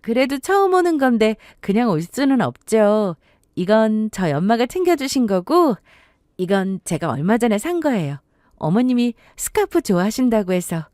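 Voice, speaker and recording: A young bride-to-be, read by a woman storyteller who sounds puzzled and anxious, asking question after question. Her pitch sits higher than the narration and jumps around, recorded close and dry. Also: very animated, moderate pace, darkish tone, no room sound.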